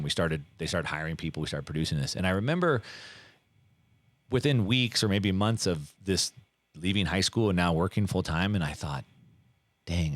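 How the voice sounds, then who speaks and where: A middle-aged man telling his life story in a casual interview, animated and full of fillers and restarts. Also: sits low, dry recording. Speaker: guest.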